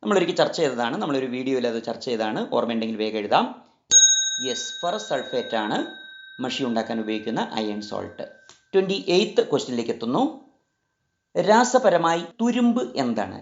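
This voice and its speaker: A man's voice: mid-range voice, expressive. A man running a chemistry quiz lesson, who repeats each question and mixes languages as he coaxes listeners toward the answer. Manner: repeats each question, switches between languages, coaxing pauses. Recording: roomy, slightly dull sound with faint music.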